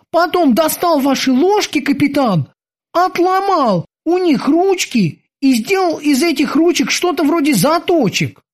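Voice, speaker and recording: A woman voicing a timid, eager male bosun who reports in a stiffly formal, drawn-out way. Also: high-pitched, pitched above the performer's own voice.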